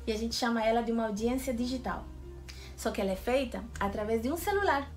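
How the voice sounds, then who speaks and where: The guest on a regional TV interview show: a Peruvian-born, woman with a highish voice, explaining her project keenly. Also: fast talker, faint music behind. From Lima, Peru. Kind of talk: enthusiastic explanatory interview answers.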